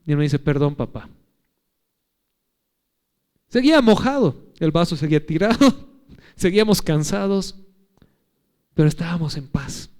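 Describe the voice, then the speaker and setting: A man in his thirties, a pastor, preaching an earnest sermon. He moves between emphatic, raised lines and soft, hushed ones, tells stories conversationally and puts direct questions to his listeners. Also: a little high, lively intonation, moderate pace, pauses often, smooth.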